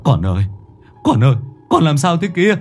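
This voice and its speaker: A frightened old village grandfather stammers and trips over his words in a low, shaky voice, as a man puts him on. He sounds cornered and desperate, in a spoken ghost story. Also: animated, measured pace, darkish tone, faint music behind. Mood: anguished. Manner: stammering, panicked. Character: terrified elderly village grandfather.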